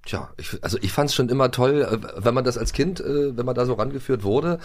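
A man's voice: medium pitch, lively intonation, fairly quick. A man who is a guest on a podcast, chatting casually.

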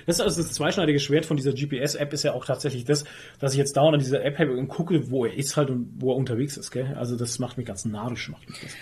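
A man's voice: medium pitch, quick pace, a little mellow. A man chatting casually as a podcast host, colloquial and sprinkled with tag questions and English slang.

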